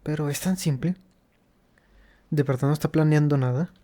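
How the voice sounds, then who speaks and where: Male gaming host, casual and halting, mellow tone, slightly high pitch. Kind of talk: casual game commentary.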